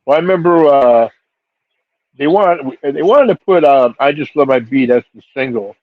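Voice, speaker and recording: A man's voice: medium pitch, lively intonation, moderate pace, dry recording. A middle-aged man from Seattle telling his story in a casual interview, laid-back and full of fillers. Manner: laid-back, many fillers, voice jumps up for quoted reactions. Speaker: hip-hop DJ and label figure telling his story. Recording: tinny phone-like line, dry.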